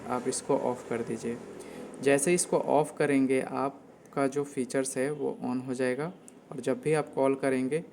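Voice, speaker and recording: A man's voice: mid-range voice, a little mellow, slight background noise. A man explaining settings step by step in a casual tutorial style, often repeating himself as host.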